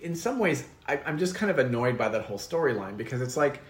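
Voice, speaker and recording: A man co-hosting a podcast, speaking casually and bluntly with a medium pitch. He swears freely and restarts his sentences, and his voice rings with a roomy echo. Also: big pitch swings, quick pace. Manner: frank, swears, many restarts. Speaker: podcast co-host. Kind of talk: casual chat.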